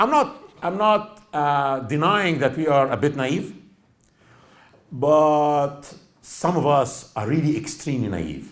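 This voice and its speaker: A man with a fairly high pitch speaks in an Egyptian accent with lively intonation and audible room echo. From Upper Egypt. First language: Arabic. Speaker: Islamic lecturer. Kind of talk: workshop lecture.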